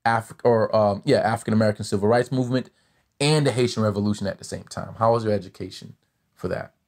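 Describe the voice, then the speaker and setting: A man's voice: on the low side, fast. Thoughtful man hosting an interview. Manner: thoughtful, many fillers, asks long questions. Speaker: podcast host. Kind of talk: conversational interview.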